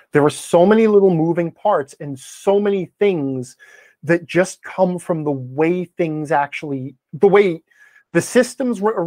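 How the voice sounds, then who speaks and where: Emphatic, higher-voiced man giving blunt opinions. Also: darkish tone, dry recording. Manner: emphatic, blunt, acts out imagined remarks. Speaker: podcast guest, game blogger and game master. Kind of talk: opinionated conversational explanation.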